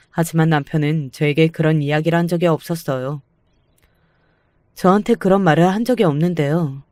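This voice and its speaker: A woman narrating a first-person story in a calm, even storytelling manner. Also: low-pitched, no room sound, studio quality. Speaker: story reader. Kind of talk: scripted narration.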